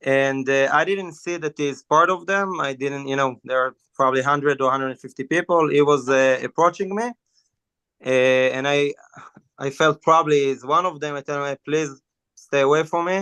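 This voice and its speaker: A man from Israel, a native Hebrew speaker, giving spontaneous testimony in halting, non-native phrasing with many hesitations. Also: fairly high pitch, fairly bright tone, clear, resonant tone, no echo. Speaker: witness testifying at a court hearing. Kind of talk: spontaneous testimony, telling a story.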